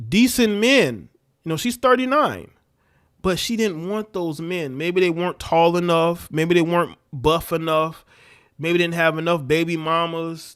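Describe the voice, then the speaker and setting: Guy ranting on his livestream, blunt and scornful, slightly high voice. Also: fairly bright tone, smooth. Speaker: livestream commentator. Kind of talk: livestream reaction commentary.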